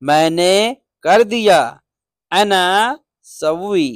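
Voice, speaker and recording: A man giving a beginner language lesson, saying every word twice and then explaining it. He speaks extremely slowly and deliberately. The recording is dry and close, with no room sound. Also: sits high, no room sound. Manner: repeats each word slowly and explains its meaning. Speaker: Arabic teacher.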